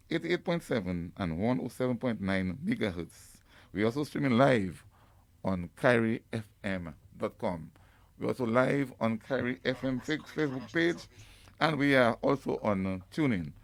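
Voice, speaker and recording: A man hosts a live political radio program, speaking at a middle pitch. His delivery is formal and announcer-like, with small restarts. The studio sound is dry and close. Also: dry recording. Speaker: radio talk show host. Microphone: studio microphone.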